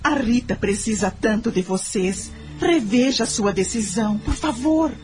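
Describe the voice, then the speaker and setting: Tender Brazilian wife over music. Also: female voice, a little high, lively intonation, measured pace. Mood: pleading. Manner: earnest, tender. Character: gentle, supportive middle-aged wife and friend. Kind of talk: Brazilian radio soap acting.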